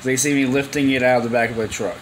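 A young man talks to camera from a cluttered garage, telling a loose, slangy story and voicing the quoted exchanges himself. He talks fast in a medium-pitched voice with fairly even intonation, and a little hiss or hum is audible.

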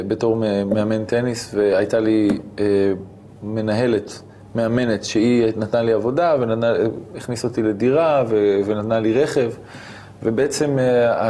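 A man as an interview guest, telling a personal story in an animated way and acting out the scenes he describes. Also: mid-range voice, a little hiss or hum.

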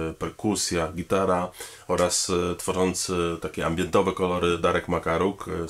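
A man with a very low voice speaks slowly and thoughtfully in a promotional statement. He addresses his listeners politely and stops often on hesitation sounds while he finds his words. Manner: measured and thoughtful, with frequent hesitation fillers; formal, polite address to the audience. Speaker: pianist, composer and arranger. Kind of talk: promotional talking-head statement.

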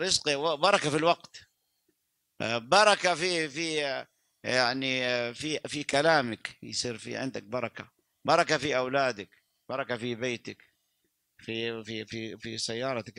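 A man's voice: mid-range voice, gravelly, pushed and bright, no echo. An older man and Quran reciter giving a religious talk, reciting verses, fervent and stumbling into restarts. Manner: fervent, many restarts and stammers.

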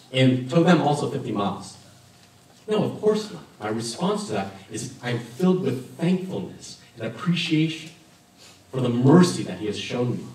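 A man in his thirties preaching a sermon in a church, talking in a lively, conversational way while gesturing at a lectern. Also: mid-range voice. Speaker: pastor. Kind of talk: sermon with personal story. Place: church sanctuary with stained glass, indoors. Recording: very echoey room from far off.

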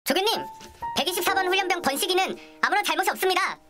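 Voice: extremely high pitch, very fast, music in the background. A performer playing a cocky, scheming young boot-camp recruit in a comedy skit, by turns boastful and stiffly polite. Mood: nervous, deferential. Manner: stammering politeness to superiors, boastful with friend. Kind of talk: comedic skit role-play.

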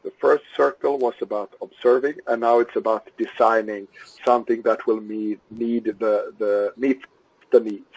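A man from Sweden, a native Swedish speaker, giving a webinar lecture in English on product work, pausing often with uhs and ums. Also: medium pitch, breathy edge, poor audio. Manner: halting, many uhs and ums. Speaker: Scrum trainer. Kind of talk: webinar lecture over slides.

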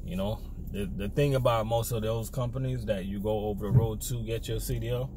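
A man in his thirties with a drawl talks low and easygoing, dropping "man" and "you know" as he gives advice. He sits in a car at night, a little away from the dashboard camera, and heavy road noise fills the background. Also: fairly even intonation, fairly quick. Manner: laid-back, conversational, lots of "man" and "you know". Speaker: truck driver vlogger. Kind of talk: casual advice vlog. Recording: distant mic with loud road noise.

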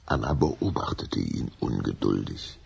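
Very deep, gravelly storyteller. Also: male voice, lively intonation, a little mellow, in a whisper, heavily acted. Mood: measured, eerie. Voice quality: raspy, gravelly. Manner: slow, measured storyteller. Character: solemn storyteller of spooky children's tale. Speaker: narrator. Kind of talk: storytelling narration in a children's radio play.

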